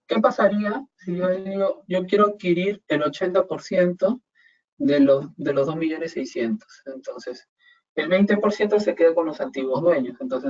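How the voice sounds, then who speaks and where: A man's voice: on the high side, a little mellow. A man teaching an online accounting class, explaining step by step and asking rhetorical questions. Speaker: accounting instructor. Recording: dull distant mic with faint hiss.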